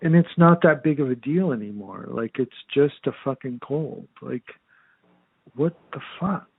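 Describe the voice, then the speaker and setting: A man's voice: mid-range voice, lively intonation, measured pace, creaky, breathy edge, no room sound. A man in casual chat, telling stories in a sarcastic, profane way full of fillers. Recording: tinny phone-like sound.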